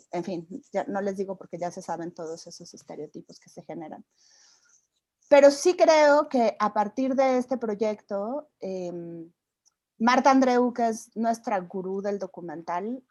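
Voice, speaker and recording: A woman, a film producer speaking in a relaxed, reflective way with many restarts. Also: mid-range voice, no echo. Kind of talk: conversational talk at a seminar.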